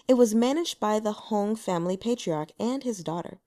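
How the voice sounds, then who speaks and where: Calm female audiobook narrator, mid-pitched, mellow. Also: moderate pace. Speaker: audiobook reader.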